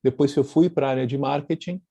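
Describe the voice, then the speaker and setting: A man's voice: mid-range voice, steady tone, brisk, creaky, dark tone, no echo. Argentine man presenting on a video call. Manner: thoughtful, many fillers and restarts. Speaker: guest speaker, publisher. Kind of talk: online lecture presentation.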